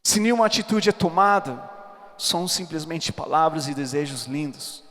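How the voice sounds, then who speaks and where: A man's voice: a little high, expressive, normal speed, fairly bright tone. A man preaching a personal testimony to a church congregation, speaking earnestly and with emphasis. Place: large church hall. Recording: reverberant church hall.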